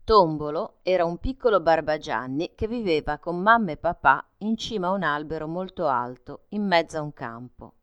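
Low, smooth-voiced woman reading a story. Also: fairly bright tone, dry recording. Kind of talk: reading a children's picture book aloud.

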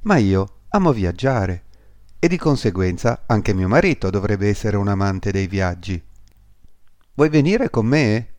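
A man's voice: on the low side, very animated, measured pace, a little mellow, no echo. A man voicing a small, proud, chatty female swallow in a fairy tale, fussy and exclaiming.

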